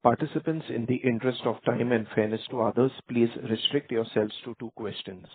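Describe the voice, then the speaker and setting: Husky male call moderator, phone-line sound. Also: mid-range voice, a little fast. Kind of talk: formal scripted call announcements. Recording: muffled narrow phone-like line.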